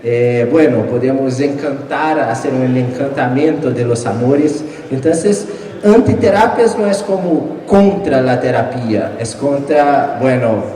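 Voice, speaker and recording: A man in his forties, a native Portuguese speaker from Brazil, presenting his book at a live panel, halting and joking with frequent restarts and chuckles. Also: medium pitch, warm tone. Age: 40s. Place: large hall with long reverb. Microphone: distant from the mic. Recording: echoey hall, far from mic.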